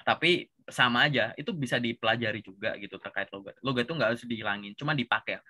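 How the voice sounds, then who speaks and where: Javanese-accented guy coaching casually, bright tense voice, chatty. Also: mid-range voice, fast talker. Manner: relaxed, chatty, says "gitu" constantly. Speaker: career coach.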